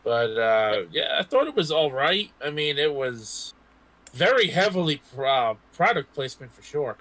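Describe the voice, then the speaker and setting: Guy on a podcast, slightly higher bright voice, just chatting. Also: very animated, unhurried, no room sound, poor audio. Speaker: podcast panelist. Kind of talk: casual chat.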